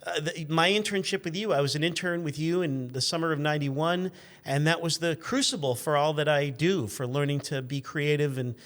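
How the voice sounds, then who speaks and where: A man in his fifties with a somewhat high voice talks as a relaxed interview guest. He tells personal anecdotes in a conversational way, slipping in dry, self-mocking jokes. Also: fairly quick. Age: 50s. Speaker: interview guest, car journalist. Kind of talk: casual anecdotal chat.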